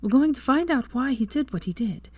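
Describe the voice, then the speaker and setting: A determined, teasing young witch in a storybook reading, as a woman narrator puts her on. Her lines sit clearly higher than the narration, recorded close and dry. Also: lively intonation, fairly quick, dry recording. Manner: bright, raised delivery against the narration.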